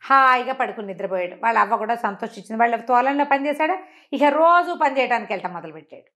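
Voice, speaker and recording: A woman telling a children's moral tale in an animated, conversational way, slipping into the characters' dialogue as she narrates. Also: a little high, quick pace. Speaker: storyteller.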